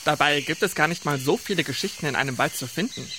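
A woman's voice: sits low, quick pace, background noise, natural voice. A woman playing an imaginative, playful adventuring captain in a children's audio drama. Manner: lively, playful, storytelling.

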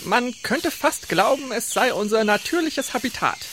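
A woman's voice: fairly high pitch, moderate pace, slight background noise. A woman playing an imaginative, playful adventuring captain in a children's audio drama. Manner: lively, playful, storytelling.

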